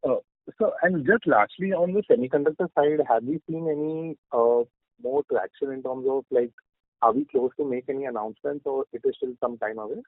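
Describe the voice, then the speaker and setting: A man's voice: mid-range voice, brisk, no echo. A man, a financial analyst putting questions to management on an earnings call. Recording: dry, narrow phone-line audio.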